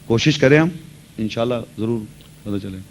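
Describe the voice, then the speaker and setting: A man giving a religious lecture, earnestly explaining and mixing English words into his speech. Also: medium pitch. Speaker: Quran lecturer.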